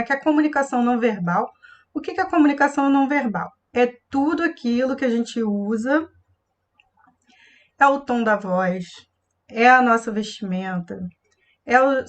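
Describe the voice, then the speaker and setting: A woman voice coach teaching a live online class, speaking expressively and showing different tones of voice as she explains. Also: high-pitched.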